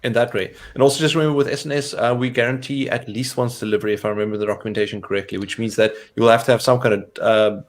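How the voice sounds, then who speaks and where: A man's voice: mid-range voice, steady tone, very fast, few pauses. A man co-hosting a live cloud question-and-answer stream in casual chat, talking with lots of fillers. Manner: chatty, frequent fillers.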